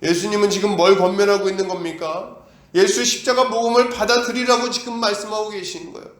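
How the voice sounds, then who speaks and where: A man's voice: high voice, little pitch movement, quick pace, reverberant. A male pastor preaching an emphatic sermon, asking his congregation rhetorical questions and acting out the voices of doubters. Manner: acts out quoted voices of doubters and of God. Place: church.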